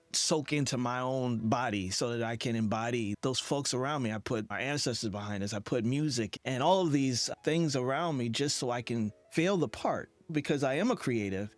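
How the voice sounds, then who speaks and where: Mid-pitched man hosting over faint music. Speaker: interview series host. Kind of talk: casual conversational interviewing.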